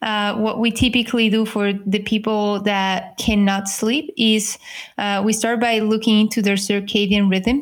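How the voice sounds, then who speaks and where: There is noticeable background noise as a woman speaks with a Spanish accent. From Spain. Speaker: health tech startup founder. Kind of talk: interview.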